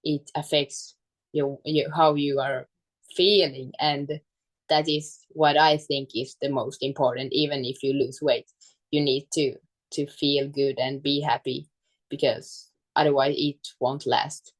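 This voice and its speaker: A woman with a low voice and a Finland-Swedish accent talks as a guest in a casual interview. She goes slowly, halting to find her words in English, which is second to her native Swedish. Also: flat delivery. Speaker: guest, fitness coach.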